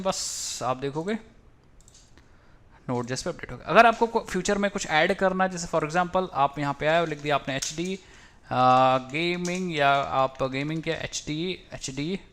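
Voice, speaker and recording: A man walks through a coding tutorial at his desk, talking casually and thinking aloud. His voice sits a little high, and he drops English technical terms into his speech. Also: a bit bright. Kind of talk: screen-recorded coding tutorial.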